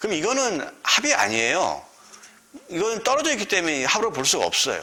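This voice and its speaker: Raising and projecting his voice, a man swings very widely in pitch, with noticeable background noise and audible room echo. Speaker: fortune-telling lecturer. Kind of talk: lecture. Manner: halting.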